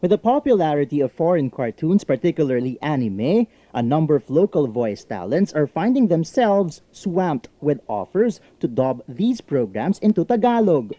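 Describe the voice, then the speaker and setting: A Filipino man narrates a news report with a very lively melody. His tone is mellow, on a dry, slightly dull recording. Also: on the high side, measured pace, hardly any pauses, no room sound.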